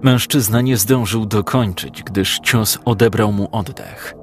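Low-voiced male audiobook narrator. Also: a little hiss or hum. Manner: calm, measured, dramatic.

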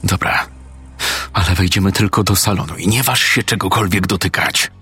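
Narrator as a tense young man in an audio story, hushed and husky, low. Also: normal speed, faint music behind, exaggerated voice. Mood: stern. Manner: hushed, urgent.

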